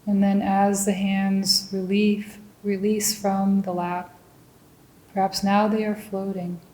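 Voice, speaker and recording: A woman guides a meditation in a mellow, relaxed voice. She speaks very slowly and gently, placing short, deliberate phrases between long pauses. The sound is roomy, with audible echo around her words. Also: mid-range voice. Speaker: meditation teacher.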